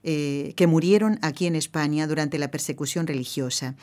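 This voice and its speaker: Radio host, Argentine woman, slightly low voice, eager affirming manner. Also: moderate pace, darkish tone. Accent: Argentine Spanish. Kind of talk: radio interview.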